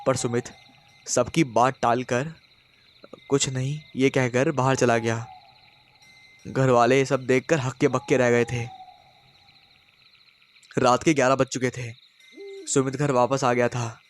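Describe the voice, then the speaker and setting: A man telling a horror story in steady, dramatic scripted narration. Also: mid-range voice, measured pace, pauses often.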